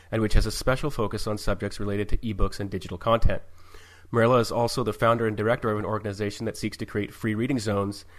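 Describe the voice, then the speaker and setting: A man hosting a podcast interview, introducing his guest and asking questions in a measured, polite way. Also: fairly low pitch. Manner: measured, polite, some fillers. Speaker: podcast host.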